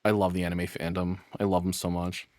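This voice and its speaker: A man giving casual, rambling reaction commentary as a streamer, sarcastic and quick to swear. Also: low-pitched, level tone, a little mellow, no echo.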